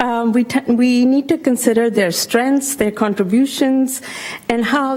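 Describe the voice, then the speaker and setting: The woman's pitch is fairly high as she talks at a moderate pace, with noticeable background noise around her. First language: not English. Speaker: professor. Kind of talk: public delegation to council committee. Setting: council committee meeting. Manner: hesitant, many fillers.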